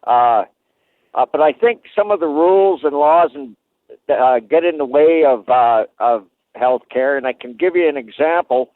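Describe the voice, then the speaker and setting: A man's voice: a little high, normal speed, dry recording. A man from Alberta calling into a radio talk show on an old flip phone, telling his story in a plain, hesitant way with lots of uh's. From Alberta, Canada. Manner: plain-spoken, hesitant with frequent uh fillers. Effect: old flip phone call. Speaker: caller. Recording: tinny dry phone line.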